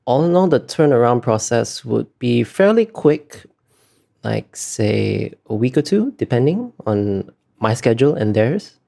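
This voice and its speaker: A man answering interview questions in a casual, explanatory way, halting often with pauses and fillers as he talks. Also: mid-range voice, big pitch swings, creaky, warm tone. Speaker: interview guest, visual artist.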